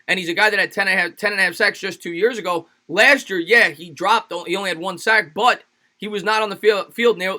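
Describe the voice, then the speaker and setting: A man hosting a casual sports livestream, reading fan donations aloud in an energetic, hyped-up way, his voice a little raspy and tired. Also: high-pitched. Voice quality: slightly raspy. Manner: energetic, hypes up fans. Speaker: sports YouTube host reading super chats.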